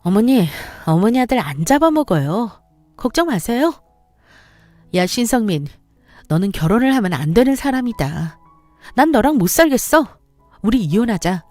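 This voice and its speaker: A woman's voice: fairly high pitch, very animated, normal speed, darkish tone, no echo, soft background music. A woman voicing a fed-up young wife who argues back in a heated, raised voice. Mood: angry. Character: fed-up young wife, sharp-tongued and defiant.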